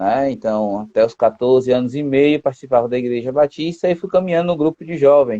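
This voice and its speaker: A man talks at a fairly quick pace with hardly any pauses, in a medium pitch with ordinary pitch variation. His tone is dark and mellow, and the sound is dry and close with no echo. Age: 40s. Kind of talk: testimony. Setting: Instagram live video call.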